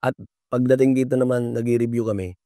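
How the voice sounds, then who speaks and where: An older man, a veteran basketball referee, answering interview questions in a polite, halting way with many pauses. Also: medium pitch, steady tone, warm tone, no room sound, clean studio sound.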